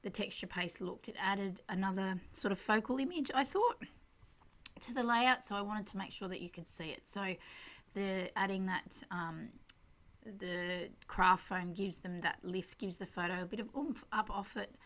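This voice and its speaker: Woman doing a casual craft voiceover, chatty, kinda rambly, medium pitch, a bit self-deprecating. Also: moderate pace, fairly bright tone. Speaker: craft channel host. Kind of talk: casual scrapbooking process voice-over.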